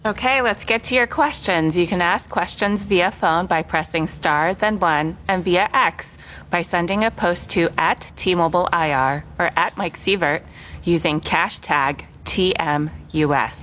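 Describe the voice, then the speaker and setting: A woman's voice: lowish voice, unhurried, muffled recording, a little hiss or hum. A woman moderating an earnings call in a scripted, procedural style. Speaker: investor relations moderator. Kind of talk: scripted Q&A instructions.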